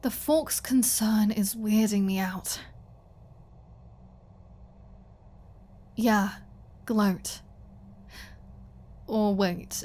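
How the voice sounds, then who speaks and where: A woman's voice: medium pitch, mellow, natural voice. A woman playing a flirty, defiant captive vampire in an ASMR audio roleplay, teasing and mocking with a sarcastic drawl.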